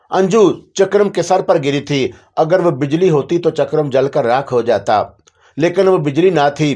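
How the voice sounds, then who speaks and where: Male storyteller, scripted horror narration, steady dramatic reading, slightly high voice.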